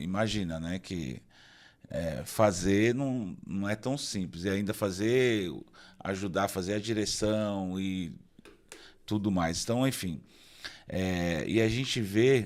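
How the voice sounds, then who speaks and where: A man with a fairly low pitch speaks very slowly, with ordinary pitch variation and long, frequent pauses. The recording is very clean with a silent background. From São Paulo, Brazil. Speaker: podcast host. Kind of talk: interview. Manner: halting.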